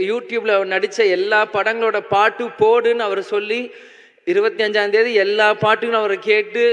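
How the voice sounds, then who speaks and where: Young man, tearful halting stage speech, high voice, muffled reverberant hall sound. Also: fairly bright tone. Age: young adult. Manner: halting, choked up, restarts often. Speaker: speaker at a memorial gathering. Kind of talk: emotional public speech. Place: large indoor stage. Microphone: handheld mic on a stand.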